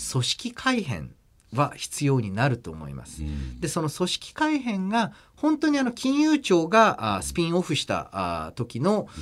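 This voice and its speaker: In a very clean recording over a silent background, a man speaks at a fairly slow pace. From Tokyo, Japan. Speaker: economist. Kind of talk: radio interview. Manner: soft-spoken.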